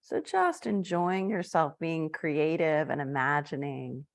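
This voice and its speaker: Woman, meditation guide, very slow delivery, soft gentle phrasing, dry close sound. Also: deep voice, expressive, gravelly, no echo. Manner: soft, slow guiding with drawn-out phrases and fillers. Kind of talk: live-streamed guided meditation.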